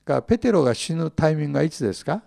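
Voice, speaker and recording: Lively, joking male preacher. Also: on the high side, very fast, creaky, no room sound, clean studio sound. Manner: humorous, chuckling storyteller. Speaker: Bible teacher. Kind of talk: sermon with scripture reading.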